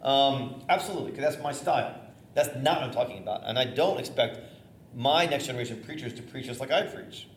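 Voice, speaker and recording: A middle-aged man, a theater-trained bishop with a loud voice, teaching preachers in a conversational, energetic way with fillers and restarts. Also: mid-range voice, brisk. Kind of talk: informal teaching talk on preaching. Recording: echoey room, faint noise.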